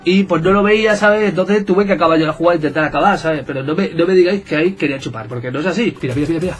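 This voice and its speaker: A man with a Spain Spanish accent, giving excitable, jokey gameplay commentary and bantering with his viewers. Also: a little high, racing. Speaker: gaming YouTuber.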